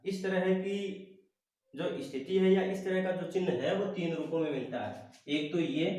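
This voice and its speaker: A man teaching a Hindi grammar lesson online, slowly reciting the letters one by one. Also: fairly high pitch, darkish tone. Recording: very echoey room.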